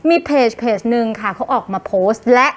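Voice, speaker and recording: High-voiced woman presenting celebrity news. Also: a little fast. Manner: playful, expressive, teasing questions. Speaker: co-host of entertainment news show. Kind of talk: lively entertainment news presenting.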